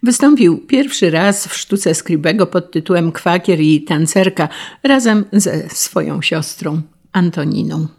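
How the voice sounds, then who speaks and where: A woman narrating a story in a measured, wry reading voice. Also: lowish voice, expressive, vocal fry, darkish tone.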